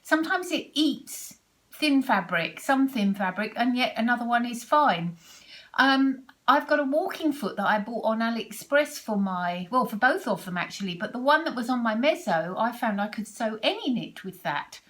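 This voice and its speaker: A woman's voice: fairly high pitch, expressive, moderate pace, a bit bright. Chatty British woman in her sixties. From Britain. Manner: chatty, rambling, with restarts and asides. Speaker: sewing vlogger. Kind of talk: casual chat to camera.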